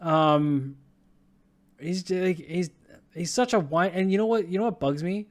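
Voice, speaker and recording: Casting: young man, a touch high-pitched, blunt and profane sports-podcast co-host. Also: measured pace. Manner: blunt, profane, ranting with laughs. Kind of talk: casual sports chat.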